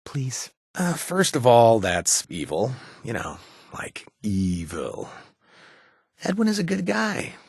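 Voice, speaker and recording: A man's voice: mid-range voice, wildly swooping pitch, slow, vocal fry, husky, no echo, studio quality, exaggerated voice. An actor playing a young male ex-raider companion in a video game, sarcastic and emotional, swinging between jokes and remorse. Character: young male ex-raider, guilt-ridden, wisecracking. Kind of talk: game voice acting.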